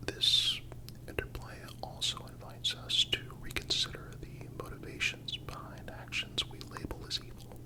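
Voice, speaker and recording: This is an ASMR narrator who speaks entirely in a soft, breathy whisper. The delivery is slow and measured, with a soothing, contemplative feel. It sounds like a carefully scripted reflective reading. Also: low-quality recording.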